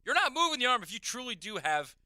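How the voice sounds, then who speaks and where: A man co-hosting a radio show, chatting and asking quick follow-up questions. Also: very high-pitched, very animated, bright, forceful tone, no echo. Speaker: radio co-host. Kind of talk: casual radio chat. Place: radio studio.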